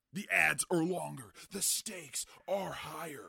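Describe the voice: The voice is a raspy, put-on character voice. It moves at a fairly slow pace. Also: man, high pitch for a man.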